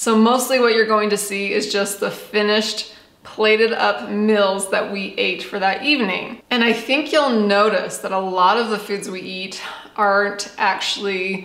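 A woman speaks with fairly even intonation. The room echo is audible. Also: fairly slow pace. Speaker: home cooking vlogger. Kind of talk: casual vlog chat. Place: kitchen.

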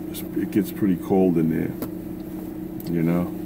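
Noticeable background noise accompanies talking at a moderate pace. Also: man. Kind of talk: casual vlog chat.

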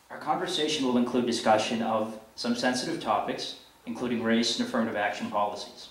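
Audible room echo surrounds a man talking at a very fast pace with ordinary pitch variation. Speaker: student organizer. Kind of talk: event introduction. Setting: stage with audience. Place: hall.

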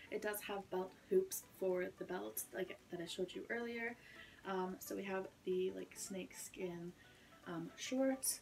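Music plays behind a woman speaking at a very slow pace. Her pitch moves in an ordinary way. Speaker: YouTuber / vlogger. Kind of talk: casual haul video chat. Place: home room. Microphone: phone near.

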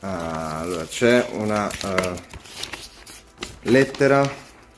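Noticeable background noise sits behind a man whose intonation is lively. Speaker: voice actor. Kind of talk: casual unboxing reaction to camera. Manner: excited, moved. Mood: moved, excited, grateful. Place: home room. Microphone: phone near.

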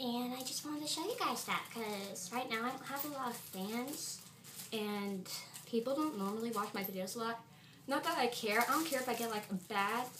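A woman speaks at a moderate pace with ordinary pitch variation. Noticeable background noise runs underneath. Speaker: new vlogger. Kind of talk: casual vlog chat. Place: home room. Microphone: webcam.

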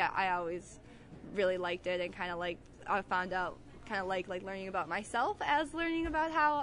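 A woman with an American accent talks at a fairly quick pace in a medium pitch. Her pitch swings very widely. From Minnesota. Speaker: college swimmer. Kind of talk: interview.

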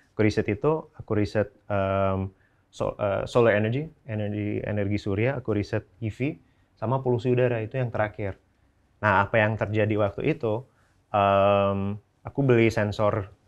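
Fairly even in intonation and fairly low in pitch, a man speaks at a moderate pace against a quiet background. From Jakarta, South Jakarta; Jakarta. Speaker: air quality startup founder; guest. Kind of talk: casual interview. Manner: halting, many fillers. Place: studio.

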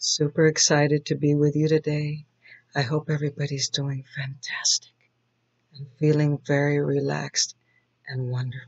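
Soft-spoken delivery in a monotone, flat intonation at a moderate pace, over a quiet background. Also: woman, very deep, low pitch for a woman. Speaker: ASMR content creator. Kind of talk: ASMR shoe collection show-and-tell, casual talk to camera. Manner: soft-spoken, friendly. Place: home room. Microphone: webcam.

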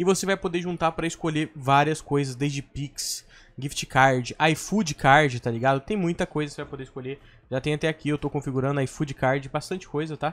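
Talking at a fairly quick pace, a man with a fairly high pitch comes through on a very clean recording with a silent background. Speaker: gaming YouTuber. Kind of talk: casual gaming video talk. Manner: animated.

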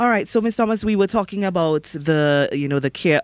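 A woman speaks at a fairly quick pace in a Dominican accent, with lively intonation. The background is quiet and the sound is dry with no echo. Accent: Dominican Caribbean English. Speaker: radio host. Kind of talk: radio interview. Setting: studio. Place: studio. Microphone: studio mic.

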